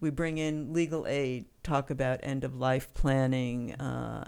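A woman speaks in a very deep, low pitch with a dark, mellow tone. Her pitch varies in an ordinary way. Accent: American. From US East Coast. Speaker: board member and educator. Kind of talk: interview, casual conversation.

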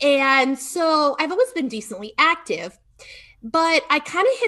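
A raised, projected voice with a bright, sharp tone moves at a very slow pace, its intonation lively over a quiet background. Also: woman. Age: 40s. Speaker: health and fasting coach. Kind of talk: casual interview. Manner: chatty.

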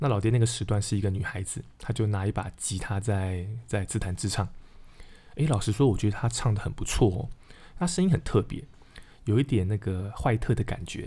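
In a dark, mellow tone, a man with fairly low pitch speaks somewhat breathily at a fairly quick pace, with ordinary pitch variation. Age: 40s. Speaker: podcast host, insurance agent. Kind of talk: casual monologue.

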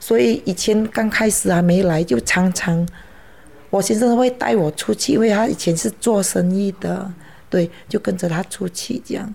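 A woman's somewhat breathy, dark, mellow voice at medium pitch, with lively intonation and a moderate pace. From Indonesia, Aceh (Sumatra). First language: Hokkien (speaking Chinese). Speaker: volunteer. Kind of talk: interview. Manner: halting.

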